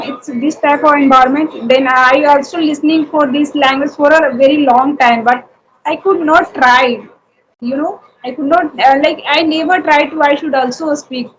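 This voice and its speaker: Hindi-native woman with an Indian accent, high-pitched, halting and filler-heavy; conversation practice, faint hiss behind. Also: poor audio. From Uttar Pradesh, India. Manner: halting, many fillers and restarts. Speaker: homemaker and YouTuber practising English.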